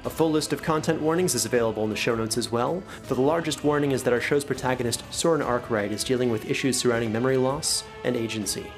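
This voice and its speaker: A man narrates as game master and host of a story podcast. His delivery is scripted and dramatic, in a medium-pitched voice, with music quietly playing underneath. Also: fast, hardly any pauses.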